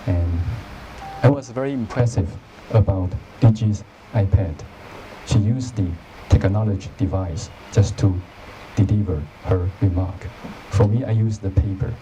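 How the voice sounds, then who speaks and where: Slow, low-voiced man giving a halting speech. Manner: slow, halting, repeats phrases, laughs at own slips. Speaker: diplomat speaking at a launch event. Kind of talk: formal ceremony speech with asides. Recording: noisy event audio with ambience.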